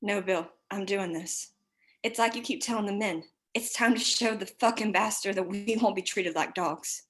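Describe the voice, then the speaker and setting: A woman's voice: medium pitch, normal speed, close to an everyday voice. A woman acting a desperate, frightened but defiant young woman at a screenplay table read, with earnest emotion. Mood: quiet defiance.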